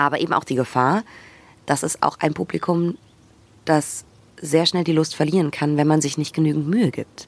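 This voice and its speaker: With fairly even intonation, a woman talks in a very deep, low pitch. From Bavaria, Landshut. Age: 20s. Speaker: stage actor. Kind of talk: casual interview. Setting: outdoors in a garden arbour.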